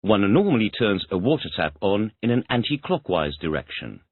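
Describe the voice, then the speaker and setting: An English student, a man, answers each question in his lesson by repeating it back in full sentences. His lowish voice swings widely in pitch at a normal speed, with a breathy edge. The audio is tinny, phone-like and dry, with no room sound.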